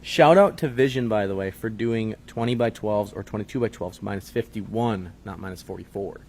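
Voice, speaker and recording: A man's voice: fairly low pitch, a little mellow, slight background noise. Easygoing man co-hosting a chat. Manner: easygoing, joking, quick asides. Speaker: co-host reading viewer questions. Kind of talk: casual chat.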